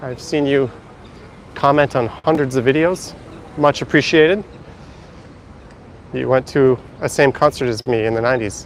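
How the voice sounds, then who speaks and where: A man's medium-pitched voice with a Canadian accent, at a moderate pace with ordinary pitch variation and long, frequent pauses, over noticeable background noise. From Ontario, Canada. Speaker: walking tour live streamer. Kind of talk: live stream chat while walking. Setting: outdoors, walking downtown city.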